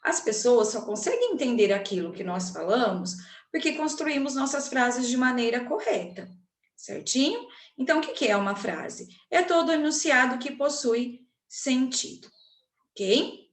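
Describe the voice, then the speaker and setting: A Brazilian woman teaching a recorded grammar lesson, with a fairly high voice. She explains patiently and checks in with her pupils often. Her voice comes from some distance away in a roomy, echoing space. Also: big pitch swings. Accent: Brazilian Portuguese. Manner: slow, clear explaining with frequent check-ins to pupils. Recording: echoey room from a distance.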